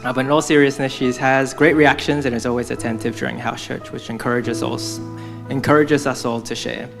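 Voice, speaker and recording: Young man, creaky voice, church testimony. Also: medium pitch, steady tone, fairly quick, over music. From Hong Kong. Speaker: church member giving a testimony. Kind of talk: prepared church testimony speech.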